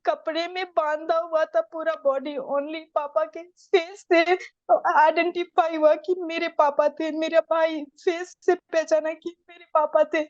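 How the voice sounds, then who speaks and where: A woman's voice: very high voice, a little mellow, dry recording, muffled recording. A young woman from Bihar giving an urgent, distressed account in an interview, often addressing the interviewer as sir. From Bihar, India. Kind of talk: emotional testimony in an interview.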